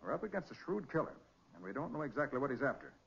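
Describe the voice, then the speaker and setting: An actor playing a shrewd, authoritative American detective in a 1940s radio crime drama, speaking briskly and deliberately. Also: male voice, medium pitch, sing-song, vocal fry, a bit bright, slightly rough, full character voice. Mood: commanding. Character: shrewd, composed male master detective leading a murder case. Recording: muffled old 1940s radio recording.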